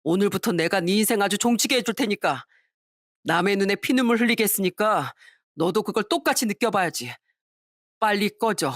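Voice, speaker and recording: An enraged husband snaps orders and scolds in a dramatized story reading, put on by a woman. The voice stays at an ordinary pitch with a dry, close sound. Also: expressive, normal speed, no room sound, close to an everyday voice. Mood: furious. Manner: harsh, scolding, commanding. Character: angry middle-aged husband defending his wife.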